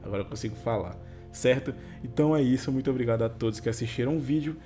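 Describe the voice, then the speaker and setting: This man narrates for YouTube viewers in Brazilian Portuguese, his medium-pitched voice warm and fast. He moves from scripted narration to a casual sign-off over background music. Being tongue-tied, he finds some consonants, like R, S, T and L, difficult to articulate.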